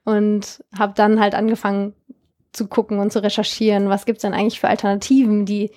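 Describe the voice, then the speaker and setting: A woman's voice: mid-range voice, flat delivery, brisk, a little mellow. A young woman from Germany, founder of a jewelry company, answering interview questions in a chatty way with many fillers and restarts. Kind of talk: casual interview.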